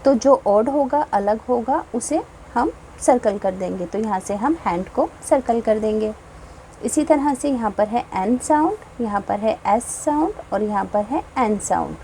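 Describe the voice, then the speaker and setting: A woman's voice: fairly high pitch, lively intonation, warm tone, a little hiss or hum, low-quality recording. A woman teaching young children from a textbook, patiently explaining and spelling words out letter by letter. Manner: patient, slow, reads English lines very slowly and spells words letter by letter.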